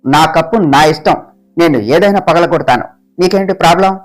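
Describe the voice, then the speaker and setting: A man's voice: fairly high pitch, fairly quick, soft background music, pitched below the performer's own voice, lightly acted. A woman voicing a stern, short-tempered young male boss who talks in curt, scolding lines. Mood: irritated.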